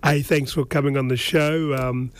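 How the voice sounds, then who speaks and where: A man's voice: mid-range voice, fairly even intonation, normal speed, no room sound. A man with an Aboriginal Australian accent hosting a radio show in a casual, conversational, rambling way. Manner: conversational, rambling, tags questions with eh. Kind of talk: casual radio presenting and interviewing.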